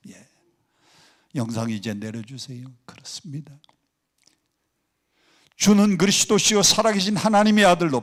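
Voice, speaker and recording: A male pastor preaching a sermon, asking the congregation questions and answering them himself, mimicking regional dialect, rising to loud emphatic exclamations. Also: a little high. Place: prayer retreat worship hall. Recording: long hall reverb.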